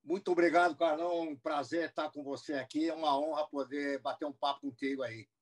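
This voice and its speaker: A man's voice: a little high, fairly even intonation, brisk. An older man in his seventies, born in the United States, recounts his life at length on a video call. His slightly raised voice wanders through asides and restarts as he talks from a room at home. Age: 70s. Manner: rambling, with many restarts and asides. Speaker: guest businessman. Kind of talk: interview, telling his life story.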